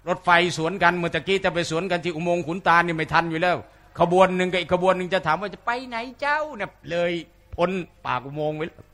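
A man preaches an Islamic sermon, full of humor and playful dialect impressions. His voice sits high and sounds bright and forceful. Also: fast. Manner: lively, humorous, mimics regional dialects.

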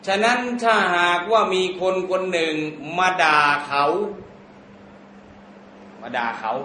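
A man teaching an Islamic text, drawing out Arabic words slowly, then explaining them in casual, joking talk. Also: on the high side, pushed and bright, roomy sound, slight background noise. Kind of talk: Thai lecture explaining an Arabic hadith text.

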